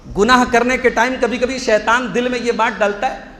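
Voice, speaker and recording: A man delivers a sermon with emphatic, repetitive rhetoric, his voice pitched high. It rings out through a large echoey hall with a long tail, and a faint hum sits underneath. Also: steady tone, normal speed, a bit bright. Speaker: preacher.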